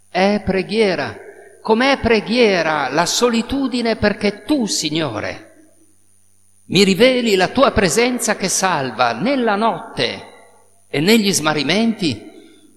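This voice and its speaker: A man delivers a sermon in a church, his slightly high voice roughened by grit. He tells the story vividly, acting out little sounds as he goes. His words ring through a reverberant hall over a faint background hiss. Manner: lively storytelling with sound effects. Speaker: priest.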